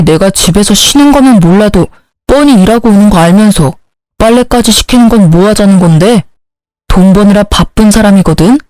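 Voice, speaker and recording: A woman's voice: medium pitch, mellow, no echo, lightly acted. A woman doing a selfish, blaming young husband. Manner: indignant, dismissive arguing. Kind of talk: storybook dialogue reading.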